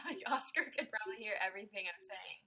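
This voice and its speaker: A woman's voice: medium pitch, animated, brisk, sharp tone. A woman hosting a casual livestream from home, chatting and laughing often while wearing headphones. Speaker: livestream host. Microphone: headphones with mic.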